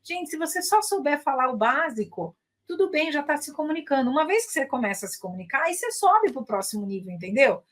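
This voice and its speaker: A woman's voice: sits high, sing-song, fast talker. A woman with a Brazilian Portuguese accent, an English teacher chatting casually with viewers, full of tag questions and switching into English phrases.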